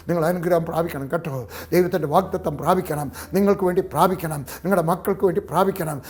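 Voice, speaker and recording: A man's voice: sits high, a little mellow. A middle-aged man preaching a Pentecostal sermon, emphatic, calling out hallelujahs and firing rhetorical questions at his listeners.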